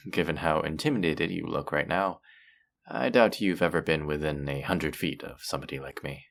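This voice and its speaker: A man's voice: extremely low pitch, moderate pace, creaky. A man playing a feared supervillain in an audio roleplay, theatrical and businesslike, with a dry, politely condescending manner. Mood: businesslike, intrigued. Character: feared male supervillain, theatrical yet businesslike and dryly amused. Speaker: supervillain interviewing a job applicant. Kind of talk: audio roleplay acting, addressing the listener.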